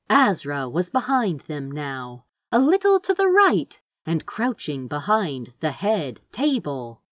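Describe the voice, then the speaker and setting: A woman narrating fiction as an audiobook reader, in an expressive storytelling style. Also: medium pitch, no echo, clean studio sound.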